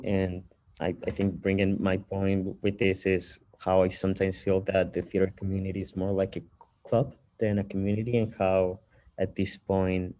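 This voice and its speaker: A man from Colombia talks in a very deep, flat voice with a dark, mellow tone. He introduces himself slowly and hesitantly, with many ums, over a video call. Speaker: theater director panelist. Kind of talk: casual panel introduction. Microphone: video call mic.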